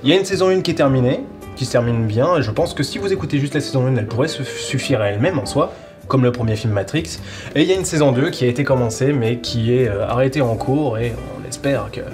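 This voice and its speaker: Male presenter, medium pitch, informal and keen review talk over a music bed. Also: quick pace. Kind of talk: casual review of an audio series.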